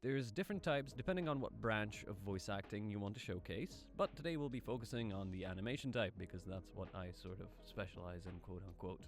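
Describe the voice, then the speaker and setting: A man's voice: lowish voice, animated, a little fast, few pauses. A man narrating a casual explainer video as an aspiring voice actor, informal and self-deprecating, posing rhetorical questions.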